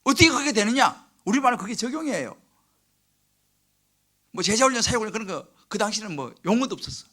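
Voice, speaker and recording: Animated high-voiced man preaching a sermon. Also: quick pace, long pauses. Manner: animated storytelling, acts out quoted prayers and crying; swings from loud bursts to hushed near-whispers. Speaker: senior pastor. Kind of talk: sermon at a midweek service. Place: church sanctuary.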